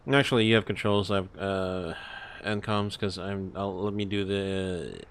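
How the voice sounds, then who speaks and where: A man's voice: low voice, fairly even intonation, measured pace, clean tone. A man streaming a flight simulator as the captain, thinking aloud through cockpit procedures with hesitant, procedural phrasing. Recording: faint background noise, cockpit ambience.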